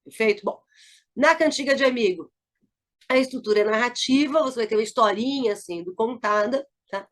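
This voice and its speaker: A woman's voice: on the high side, a little fast. A middle-aged woman teacher with a Brazilian Portuguese accent, explaining a lesson and checking in often with her listeners. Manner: explanatory, checks in with frequent tags. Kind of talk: recorded lesson review.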